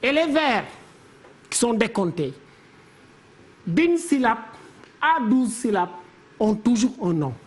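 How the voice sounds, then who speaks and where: A woman teacher giving a televised literature lesson, counting syllables slowly and deliberately. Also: fairly high pitch, animated.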